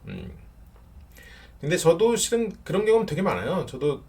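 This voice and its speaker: Animated middle-aged Korean-speaking counselor man. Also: fairly high pitch, normal speed. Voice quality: fairly loud voice. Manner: animated, laughs often, acts out short example lines. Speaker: counselor answering viewer questions. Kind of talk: casual advice talk.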